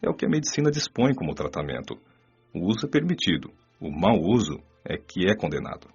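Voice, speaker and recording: Brief: male actor as a wise spirit guide, lower voice, calm lecturing tone, muffled recording with faint music. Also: gravelly, slightly rough, heavily acted. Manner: measured, solemn lecturing. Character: wise male spirit mentor giving a moral lesson. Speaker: mentor character. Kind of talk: radio drama reading. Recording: dull lo-fi audio with soft music.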